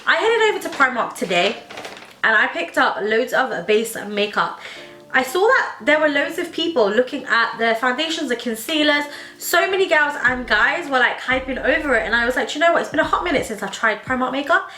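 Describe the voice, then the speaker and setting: A woman's voice: sits high, animated, a little fast, pushed and bright, reverberant. A young woman with a slightly wheezy voice from hay fever, chatting through a makeup tutorial in her home makeup room, enthusiastic and full of "like" fillers. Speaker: beauty vlogger. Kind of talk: casual makeup tutorial chat.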